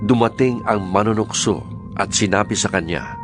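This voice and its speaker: A man's voice: fairly low pitch, moderate pace. A man with a Filipino accent narrating a scripted audio Bible. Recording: music under the voice.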